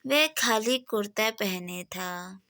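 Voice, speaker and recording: Woman reading out a confused slow village guy, halting questions, slightly high voice. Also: a bit bright. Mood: puzzled. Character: grown man, slow-witted, easily puzzled village idler.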